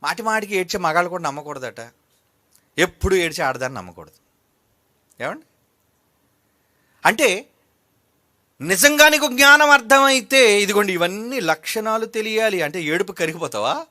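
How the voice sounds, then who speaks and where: High, animated Telugu-accented preacher, scolding. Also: male voice, moderate pace, pauses often, no room sound. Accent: Telugu regional, Andhra. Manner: scolding, mocking, mimics imagined people in quotes. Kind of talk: sermon.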